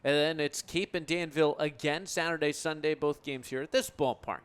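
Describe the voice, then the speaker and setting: Smooth, higher-voiced American sportscaster. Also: male voice, steady tone, moderate pace, fairly bright tone. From United States. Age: 20s. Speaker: play-by-play sports broadcaster. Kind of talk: radio sports play-by-play commentary.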